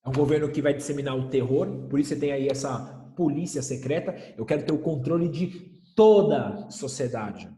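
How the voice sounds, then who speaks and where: A man's voice: medium pitch, darkish tone. A man teaching a recorded history lesson, emphatic, asking rhetorical questions and repeating key points. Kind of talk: recorded class lecture. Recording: echoey room with long reverb.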